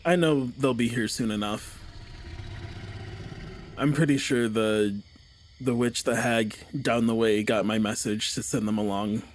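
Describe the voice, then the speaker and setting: A man's voice: mid-range voice, fairly even intonation, measured pace, long pauses, a little hiss or hum, close to an everyday voice. Man casually playing a scheming black dragon. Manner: offhand, matter-of-fact, casual. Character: scheming hidden black dragon in a swamp ruin.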